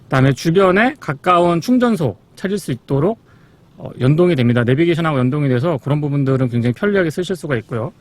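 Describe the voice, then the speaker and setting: A man's voice: a little high, expressive, quick pace, no echo. A man presenting a test-drive review as a car reviewer, explaining things politely.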